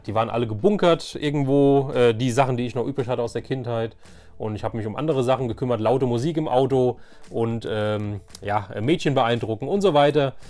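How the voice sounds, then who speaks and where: A man's voice: medium pitch, darkish tone. A man in his forties chatting casually and unscripted as he shows off a collection, hesitant and meandering but enthusiastic. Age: 40s. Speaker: toy collector and video host. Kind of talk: casual unscripted show-and-tell.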